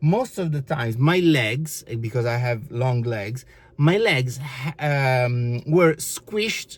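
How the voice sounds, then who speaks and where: The speech moves at a very slow pace with lively intonation. It sounds somewhat breathy. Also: man. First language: not English. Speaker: car vlogger. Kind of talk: casual vlog review. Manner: halting, many fillers.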